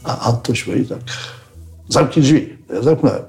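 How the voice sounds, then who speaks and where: An older man telling anecdotes in a casual, animated way, acting out what others said. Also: mid-range voice, moderate pace, vocal fry, faint music behind. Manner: animated storyteller who acts out quotes and tags lines with "nie?". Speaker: interviewee recalling militia days.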